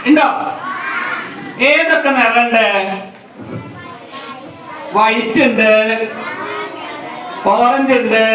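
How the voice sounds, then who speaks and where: A woman teacher coaxing a crowd of children, calling out questions again and again and urging them to answer louder. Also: on the high side. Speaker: teacher leading a school welcome event. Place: large hall full of children. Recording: echoey hall from far off, crowd noise.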